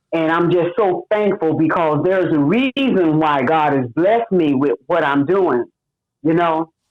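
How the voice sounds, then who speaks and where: Lively in intonation, a woman speaks at a fairly slow pace and a fairly low pitch. Hers is a plain, everyday voice with very even loudness. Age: 60s. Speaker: folk and blues singer. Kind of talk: interview.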